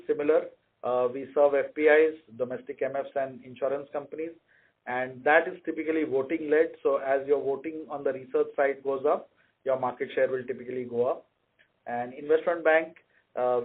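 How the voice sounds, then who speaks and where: A man speaking as a company executive on an earnings call, explaining to analysts in a measured, methodical way over a conference line. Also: fairly high pitch, narrow, tinny audio.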